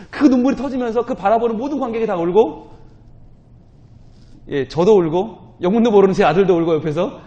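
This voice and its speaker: High-voiced pastor preaching with feeling. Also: male voice, a little mellow. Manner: emotional storytelling, asks the congregation questions. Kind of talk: early-morning sermon. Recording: muffled lo-fi recording.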